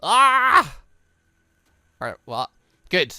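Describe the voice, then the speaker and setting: A man commentating as he plays a game, in a bright, fairly high voice that swings widely in pitch. He rambles into asides, and the sound is dry and close. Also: sing-song, extremely slow, no room sound. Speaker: gaming YouTuber, let's player. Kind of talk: let's play commentary with dramatic read-aloud.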